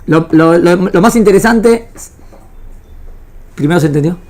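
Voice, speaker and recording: A woman's voice: lowish voice, measured pace, a little mellow. A woman with an Argentine Spanish accent teaching a small class, repeating phrases and often asking if it is understood. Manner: didactic, checking understanding with frequent questions. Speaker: religion teacher. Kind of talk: interactive lecture to a small class.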